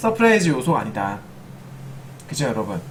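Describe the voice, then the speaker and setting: There is audible room echo and noticeable background noise. Through it, a man speaks at a fairly high pitch. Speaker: stock market YouTuber, futures trading analyst. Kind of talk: market briefing monologue.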